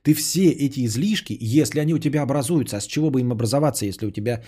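Husky, mellow-voiced man rambling sarcastically. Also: mid-range voice, racing. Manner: sarcastic, rambling, trails off into mutters. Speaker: podcast host reading donations. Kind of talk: casual stream chat.

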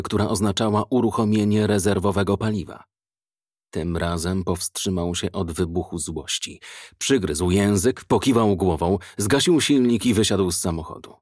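Husky male audiobook narrator, dramatic. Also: on the low side, darkish tone, dry recording, clean studio sound. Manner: measured, dramatic storytelling.

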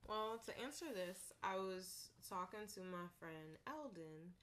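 Low-voiced woman hosting a relaxed chat. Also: a little slow. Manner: conversational, relaxed, asks questions. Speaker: podcast host. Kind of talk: casual podcast chat.

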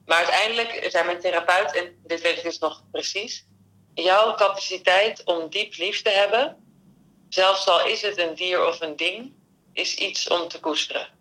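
A woman's voice: on the low side, moderate pace, pushed and bright, poor audio. An actress playing a sincere, slightly self-conscious woman who confides hesitantly, in a conversational style. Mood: confiding, self-conscious.

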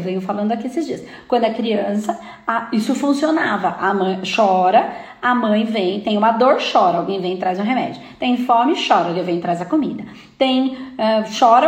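A woman's voice: on the high side, a little mellow, reverberant. A woman with a Brazilian Portuguese accent giving an emphatic spiritual self-help talk, often checking in with "né?" and "tá?". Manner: emphatic, frequent "né?" and "tá?" checks, mimics complainers. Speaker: spiritual speaker.

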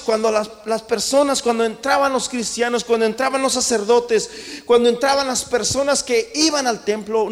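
A man preaching a sermon to his congregation in a church, impassioned, swinging between loud calls and hushed asides. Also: very high voice. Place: church sanctuary. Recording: long church reverb.

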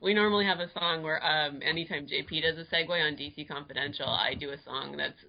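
A woman's voice: low-pitched, fast, gravelly, muffled recording. A woman co-hosting a podcast, chatty and often laughing. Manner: giggly, chatty. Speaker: podcast co-host. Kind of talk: casual podcast chat.

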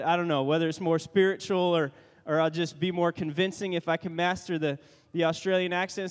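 High-pitched man running church announcements, joking and rambling, big reverberant room. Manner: joking and rambling, with many fillers and restarts. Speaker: church leader making announcements. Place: church sanctuary. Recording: long reverb from a large church hall.

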